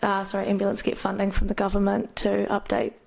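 A woman, a police dispatcher giving measured, matter-of-fact courtroom testimony. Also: mid-range voice, monotone, vocal fry, a little mellow.

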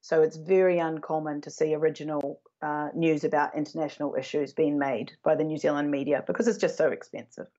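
A woman media academic heard in a played-back interview clip. Her voice is very low and dark, and she speaks matter-of-factly. The recording sounds dull and lo-fi. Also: fairly even intonation, a little fast, hardly any pauses.

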